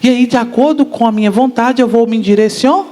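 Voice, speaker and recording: A man's voice: very high-pitched, fairly quick. A man giving a spiritist public lecture, often asking the audience questions. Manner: asks the audience questions, animated.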